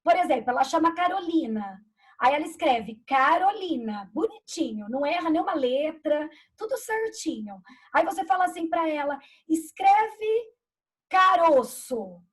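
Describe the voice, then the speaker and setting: A woman teacher in a live discussion, giving lively, concrete classroom examples to explain a literacy concept. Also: sits high, moderate pace.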